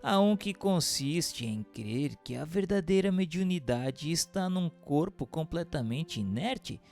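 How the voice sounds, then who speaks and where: A man as a gravelly, earnest inquirer. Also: a little high, expressive, a little slow, darkish tone. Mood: methodical, inquiring. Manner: formal, inquiring, methodical. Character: earnest male inquirer questioning a spirit. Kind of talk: radio drama dialogue. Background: music.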